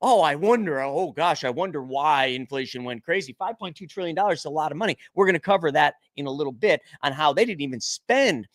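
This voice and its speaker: A man tears through the week's finance news in a heated, sarcastic rant full of profanity. His voice sits high and leaps about constantly. The recording is close and dry. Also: lively intonation, brisk, few pauses, dry recording. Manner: angry, sarcastic, profane ranting. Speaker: podcast co-host.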